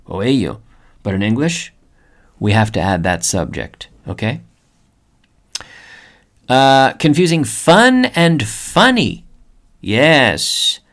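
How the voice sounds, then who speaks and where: A man's voice: medium pitch, fairly bright tone. A man hosting a podcast English lesson, patiently going through examples and checking in often, switching between English and Spanish to explain. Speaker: podcast host and English teacher.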